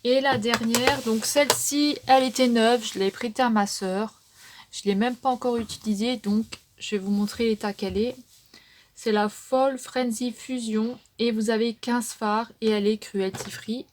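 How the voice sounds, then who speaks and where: A woman's voice: fairly high pitch, fairly even intonation, moderate pace. A woman beauty vlogger casually showing her makeup palettes, chatty and hesitant, with frequent fillers and trailing tags.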